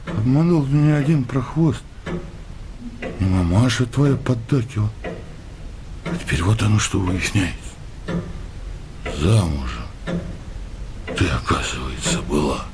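An actor playing an outraged, blustering, middle-aged working-class husband in a radio comedy play, given to agitated, repeated exclamations. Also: male voice, mid-range voice, noisy background. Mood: indignant disbelief.

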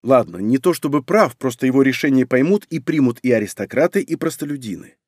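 A man's voice: mid-range voice, lively intonation, fast, darkish tone, husky, no echo, studio quality. A man narrating a first-person audiobook in a wry, conversational storytelling manner.

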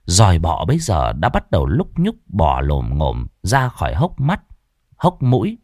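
A man tells a ghost story with dramatic, expressive narration. His voice sits low with a very lively pitch. The sound is close and dry. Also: measured pace, no room sound.

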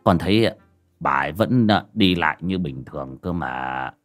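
A man's voice: extremely low pitch, animated, moderate pace, soft background music, pitched below the performer's own voice. A man voicing a frightened, stammering old clan elder in a folk ghost story. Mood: timid. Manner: hesitant, stammering.

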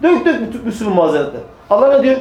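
The preacher's very high, sing-song voice races along with a darkish tone as he emphatically speaks to a small group, repeating himself and responding to his own rhetorical questions. The audio is poor and the sound roomy.

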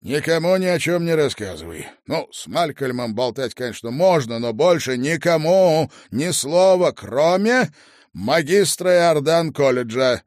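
Male reader doing a loud, clipped, commanding lord, dry close sound. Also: fairly high pitch, expressive, a little slow, no room sound, voice pushed up. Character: stern commanding nobleman, older man.

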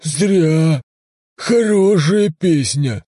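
A man reading a story aloud, voicing an ancient, touchy male deity that speaks with a booming, husky voice, sometimes in whispers. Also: lively intonation, drawn-out words, dark tone, no echo, heavily acted. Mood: aggrieved. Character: ancient male Cthulhu entity, disembodied voice, proud and touchy. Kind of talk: audiobook reading.

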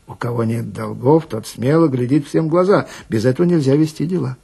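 A man's voice: medium pitch, a little fast, vocal fry, dark tone, breathy edge. A man playing a polite, plaintive swindler in his fifties, obsequious and self-righteous, in a dramatic monologue. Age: 50s. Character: polite, plaintive 52-year-old male marriage swindler with dignified airs. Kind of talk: dramatic monologue, character dialogue.

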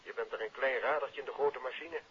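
A man acting an aggrieved, talkative bank employee with a husky voice, heard through a telephone in a 1950s radio serial. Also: medium pitch, fairly quick, a bit bright. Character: male bank employee, aggrieved, wordy, uneasy. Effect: telephone filter. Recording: thin, narrow telephone-style old radio sound.

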